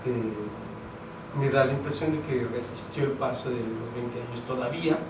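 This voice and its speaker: A Mexican man with a Mexican accent tells stories in an easygoing, chatty way, sprinkled with fillers and slang. His voice sits at a middle pitch and comes from some distance off the mic. A roomy echo and a steady wash of ambient noise surround him. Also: normal speed. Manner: relaxed and conversational, with frequent fillers and slang. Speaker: playwright. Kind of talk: casual storytelling talk at a public event. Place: event hall.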